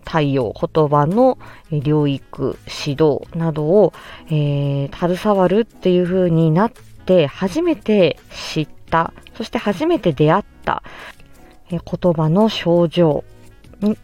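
A woman with a slightly low voice talks through a topic as a podcast host and speech therapist. She is polite and measured, pausing often with soft fillers. Faint music plays underneath. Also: animated. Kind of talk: explanatory podcast monologue.

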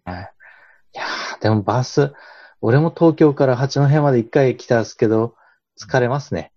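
Mellow-voiced man chatting and laughing. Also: medium pitch, moderate pace, no echo. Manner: easygoing, laughs often, casual speech. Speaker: podcast guest. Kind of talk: casual podcast chat. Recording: dull lo-fi podcast audio.

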